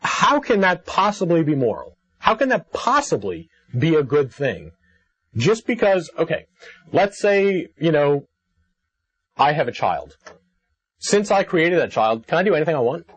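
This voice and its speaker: Husky, animated man debating on call-in radio. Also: a little high, unhurried. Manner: argumentative, sceptical, challenging. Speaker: call-in radio show host. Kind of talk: debating a caller. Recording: dull, lo-fi radio show audio.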